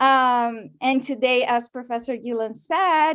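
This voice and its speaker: In a Portuguese accent, a woman speaks with a high pitch at a moderate pace. The background is quiet. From Brazil. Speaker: student panelist. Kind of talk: conference panel talk.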